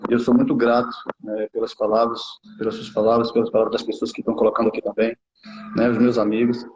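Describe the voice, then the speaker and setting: A Brazilian man in his thirties chats about his football career in a loose, halting way, often restarting phrases and tacking on tag questions. He speaks at a middle pitch. The recording is muffled and lo-fi. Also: completely flat delivery, darkish tone, a little hiss or hum. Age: 30s. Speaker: youth football coach, former player. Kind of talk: casual interview talk. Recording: muffled lo-fi sound.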